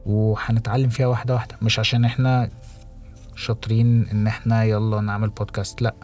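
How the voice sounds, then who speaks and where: Egyptian guy on a podcast, lowish voice, thoughtful halting talk, soft music behind. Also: flat delivery. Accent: Egyptian Arabic. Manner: reflective, halting, many restarts and English phrases. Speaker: podcast co-host. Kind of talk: casual podcast conversation.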